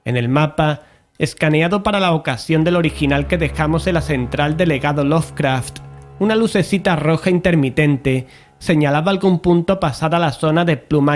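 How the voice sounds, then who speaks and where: Higher-voiced Spanish man telling a horror tale as an actor. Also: close to an everyday voice. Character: male investigator recounting a cosmic horror expedition. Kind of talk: scripted audio drama narration.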